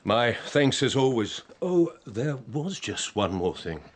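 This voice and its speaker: A man playing a calculating nobleman count who questions people with smooth, formal courtesy. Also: mid-range voice, very animated, slow pace. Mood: probing. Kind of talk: radio drama acting.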